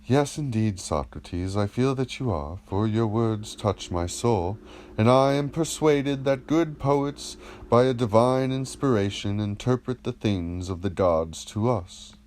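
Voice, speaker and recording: Man playing a slow-talking, earnest poetry reciter. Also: fairly low pitch, expressive, darkish tone, slight background noise. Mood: agreeing, moved. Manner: deferential, earnest, formal. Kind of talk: dramatised audiobook reading of a classical dialogue.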